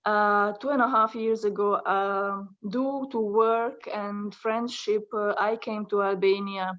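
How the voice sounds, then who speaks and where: A woman from Romania whose first language is Hungarian, a guest speaking haltingly with many fillers in an online interview. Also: medium pitch, steady tone, muffled recording. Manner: hesitant, many fillers, soft-spoken. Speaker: interview guest, abstract artist. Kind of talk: online video-call interview. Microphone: video call.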